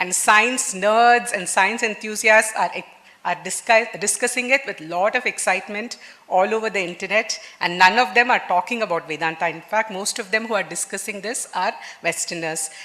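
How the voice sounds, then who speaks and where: Woman's medium-pitched speech with a Telugu accent, ordinary pitch variation and a moderate pace. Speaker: engineer and quantum physicist speaking on Vedanta. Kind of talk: conference talk.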